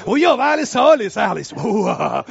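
A male preacher telling a story in a sermon, loud and exclamatory, swinging from shouting to hushed tones. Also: extremely high pitch, lively intonation, vocal fry. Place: church. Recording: muffled lo-fi recording.

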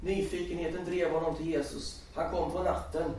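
A man's voice: a little high, level tone, darkish tone, slight background noise. A man preaching a sermon, telling a story and reciting scripture with rising emphasis. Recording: echoey hall, distant from mic.

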